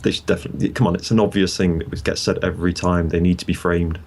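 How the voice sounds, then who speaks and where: Man, very low voice, gravelly, fast talker, blunt casual co-host. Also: steady tone, darkish tone, a little hiss or hum. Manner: blunt, quick opinions. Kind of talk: casual chat reviewing setups.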